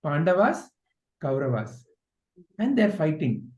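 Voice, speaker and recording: A man's voice: on the high side, big pitch swings, a little slow, darkish tone, highs cut off. A man giving a spiritual discourse, asking rhetorical questions and repeating phrases for emphasis. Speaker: spiritual teacher. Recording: echoey room sound.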